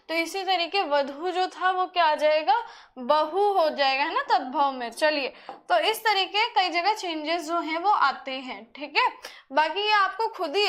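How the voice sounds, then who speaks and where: A woman's voice: very high-pitched, fairly bright tone. A young woman teacher giving a chatty grammar lesson, often asking her students rhetorical questions.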